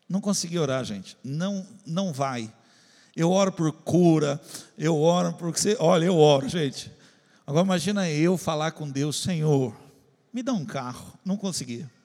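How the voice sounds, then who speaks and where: A man's voice: fairly high pitch, moderate pace, a little mellow, in a large hall. A man preaching a testimony to a congregation, telling a story and acting out his own prayers and conversations.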